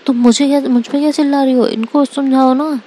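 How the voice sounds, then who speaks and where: A woman's voice: high voice, fairly even intonation, brisk, warm tone, voice pushed up, lightly acted. A woman voicing a stubborn, possessive young woman who insists indignantly in a storybook reading.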